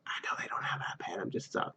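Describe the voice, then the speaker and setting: A man doing a let's play, reading story text aloud haltingly and dropping in casual asides. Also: pushed and bright, whispered. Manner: halting, stumbles over read words. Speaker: gaming YouTuber.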